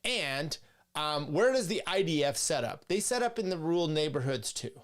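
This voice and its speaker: A man's voice: a little high, big pitch swings, normal speed. Blunt mocking man reacting to clips. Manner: blunt, mocking, laughs often. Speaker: host. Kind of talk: casual commentary on debate clips.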